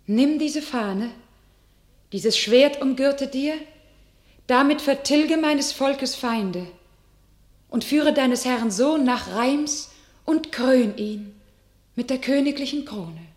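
Echoing, rapt young warrior maiden. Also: female voice, high-pitched, takes it slowly, pauses often, darkish tone. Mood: solemn, rapt. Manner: solemn, rapt, declamatory. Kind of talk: classical German verse radio play.

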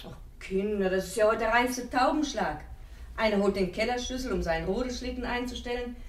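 A woman's voice: on the high side, brisk, natural voice. Actress as harried mother, echoey and distant. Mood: exasperated. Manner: chatty, complaining. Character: harried housewife mother, motherly, grumbling good-naturedly. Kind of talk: German radio play acting. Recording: echoey room, distant from mic.

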